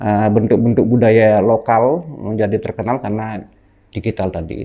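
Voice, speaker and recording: A man speaks at a moderate pace in a fairly low pitch with ordinary pitch variation. His tone is dark and mellow, with big swings in loudness. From Bali. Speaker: dance lecturer. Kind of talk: radio interview. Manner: halting, many fillers.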